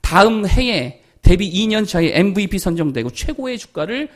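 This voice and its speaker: A male pastor delivering a sermon with a notably high voice that swings widely in pitch. He preaches emphatically, firing rhetorical questions at the congregation and answering them himself. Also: very animated, moderate pace.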